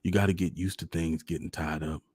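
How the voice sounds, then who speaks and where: A man playing a gentle, wistful country father with a rural Southern accent and a folksy, plainspoken manner in a storybook reading. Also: sits low, steady tone, a little fast, breathy edge, no room sound, clean studio sound. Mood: consoling.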